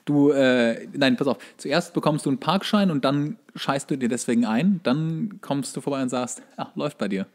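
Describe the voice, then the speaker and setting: A man's voice: medium pitch, normal speed, hardly any pauses. A man co-hosting a podcast in casual comedic chat, joking and ironic. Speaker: podcast co-host.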